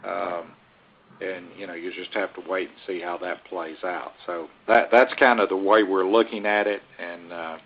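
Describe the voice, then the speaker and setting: A man with a deep voice answers as a company executive on an earnings call. His delivery is unscripted and measured, with halting, carefully qualified phrasing. The audio is dull, like a conference line. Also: steady tone, a little hiss or hum.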